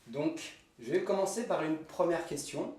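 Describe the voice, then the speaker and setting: A man's voice: on the high side, animated, normal speed, darkish tone, far from the mic. A man hosting a casual interview, friendly and hesitant, with frequent fillers. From Moroccan heritage. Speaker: interviewer, channel host. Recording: roomy, off-mic, light hiss.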